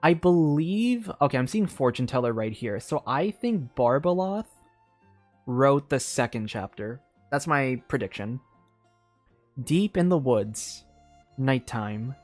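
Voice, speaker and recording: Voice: mid-range voice, big pitch swings, slow, darkish tone. A streamer with a mid-range voice reads a game story aloud over music. The delivery is informal, mixing storybook narration with chatty asides and the odd repeated word. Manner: informal, self-commenting, stumbles and repeats words while reading. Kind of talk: casual livestream chat mixed with read-aloud storytelling.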